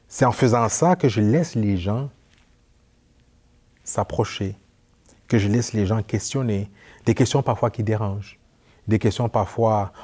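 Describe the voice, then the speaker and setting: A young man from Quebec, a newly ordained priest, telling anecdotes in a casual interview and acting out the dialogue. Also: fairly low pitch. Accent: Quebec French. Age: young adult. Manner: animated, acts out dialogue in anecdotes. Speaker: priest guest.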